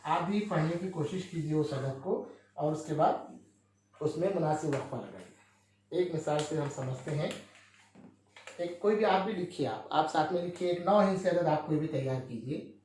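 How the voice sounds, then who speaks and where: Male teacher, fairly high voice, heavy room echo, faint hiss. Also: lively intonation, normal speed, a little mellow. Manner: asks questions and answers them himself, with frequent tag checks. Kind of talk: classroom maths lesson.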